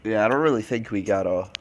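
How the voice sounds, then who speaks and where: A young man with a low-ish voice and a thick, stuffy nose from a cold. He chats loosely over his gameplay, full of fillers and self-corrections, speaking into a desk mic at his computer. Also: creaky, a bit bright, rough recording. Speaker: let's play host. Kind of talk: casual gameplay commentary.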